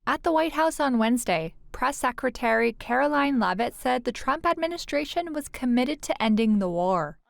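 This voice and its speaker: A woman's voice: sits high, animated, normal speed, creaky, hardly any pauses, no room sound. A woman narrating a scripted news report as a reporter, with matter-of-fact delivery.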